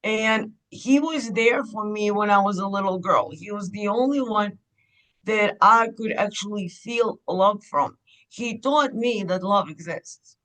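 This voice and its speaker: A woman speaks as a podcast guest, her voice bright and forward. She tells her story candidly and at an unhurried pace. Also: mid-range voice, low-quality recording. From Ukraine. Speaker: guest, clinic owner. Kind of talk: podcast interview.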